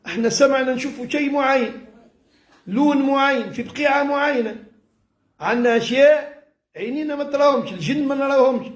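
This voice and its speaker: Male religious teacher, Tunisian accent, notably high voice. Informal, explanatory delivery that rephrases points, recorded in a reverberant room. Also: fast. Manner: explanatory, repeats and rephrases with everyday examples. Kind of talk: informal religious lesson mixing classical Arabic and dialect. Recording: echoey room.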